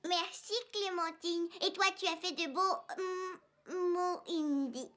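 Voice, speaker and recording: A performer voicing a curious, excitable four-year-old boy in a children's cartoon, eager and full of questions. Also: very high-pitched, takes it slowly, full character voice. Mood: cheerful, eager.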